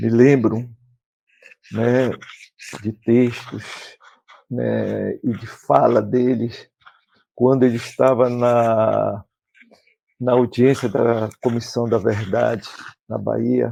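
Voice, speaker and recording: A man talks at a very slow pace, leaving long pauses again and again. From Brazilian Amazon. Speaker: human rights activist. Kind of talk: tribute testimony.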